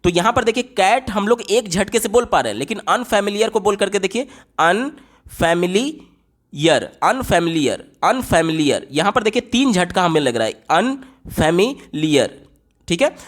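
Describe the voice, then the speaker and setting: High-voiced man teaching exam prep. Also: very animated. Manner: reads English question text slowly, explains in Hindi, repeats key points. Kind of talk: exam-prep lesson explaining answer options.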